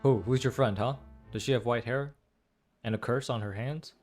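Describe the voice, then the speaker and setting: A man's voice: mid-range voice, moderate pace, music in the background. A young man giving casual, slangy gaming commentary with lots of exclamations. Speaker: game streamer reacting to a story quest.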